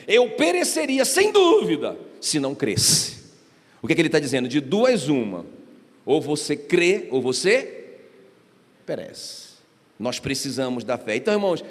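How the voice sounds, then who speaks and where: Emphatic pastor preaching. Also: male voice, on the high side. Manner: emphatic preaching, addresses congregation often. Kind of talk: sermon. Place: church hall. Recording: reverberant church hall.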